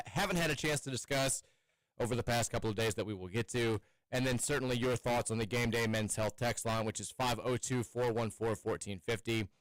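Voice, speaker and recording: A man's voice: medium pitch, fairly bright tone, no echo, poor audio. A man hosting a sports radio show in a studio, chatting loosely with frequent restarts. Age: adult with kids. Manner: rambling, chatty, with many restarts. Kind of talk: casual sports radio chat. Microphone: studio microphone.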